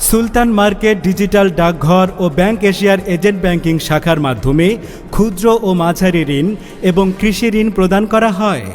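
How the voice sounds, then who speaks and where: A man reading a street loudspeaker advertisement in a loud, declamatory announcing manner. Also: high-pitched, fairly quick. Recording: long reverb with music bed. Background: music.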